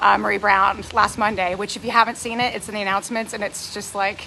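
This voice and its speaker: Noticeable background noise under a fairly high female voice. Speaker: book group moderator. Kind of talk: casual live video chat. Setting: outdoors, live video. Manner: fast; animated.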